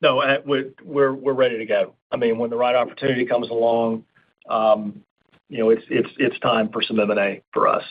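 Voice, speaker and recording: A man with a mid-pitched voice on a narrow, phone-like line. He speaks as a company executive on an earnings call, talking conversationally and circling back over his words. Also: little pitch movement, brisk. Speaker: company executive answering analysts. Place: conference call.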